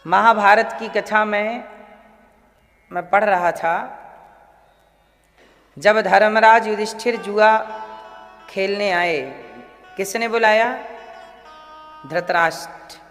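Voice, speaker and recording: Male preacher, high voice, unhurried, quizzes the crowd; reverberant hall. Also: steady tone, a bit bright, faint music behind. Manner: asks the audience questions and answers them. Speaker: spiritual preacher. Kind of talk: Hindu scripture discourse.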